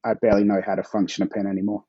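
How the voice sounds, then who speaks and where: A man's voice: fairly low pitch, little pitch movement, very fast, mellow, slightly rough, dry recording, muffled recording. An Australian man being interviewed as a guest author, answering in a laid-back way with frequent chuckles.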